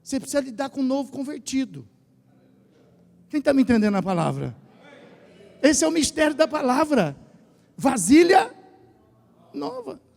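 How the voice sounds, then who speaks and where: High-voiced preacher in a reverberant church. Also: male voice, fairly quick, gravelly, pauses often. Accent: Brazilian Portuguese, São Paulo state. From Brazil. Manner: animated preaching, asks the congregation to repeat phrases. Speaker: pastor. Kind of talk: sermon. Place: church hall. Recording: church hall with long reverb.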